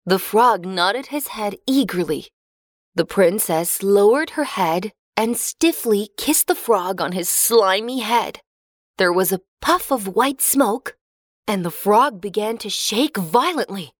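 This is a woman narrating a fairy tale for kids, clear and expressive in true storybook fashion, at a pitch in the middle range. She takes it slowly, captured in a close, dry recording without echo.

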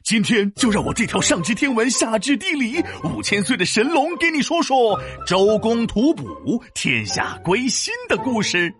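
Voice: medium pitch, very animated, normal speed, few pauses, over music, natural voice. An actor playing a boastful, learned five-thousand-year-old dragon who tells stories to children in a theatrical, teasing, explanatory way. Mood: proud. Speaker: storyteller and teacher. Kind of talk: animated children's educational audio drama storytelling.

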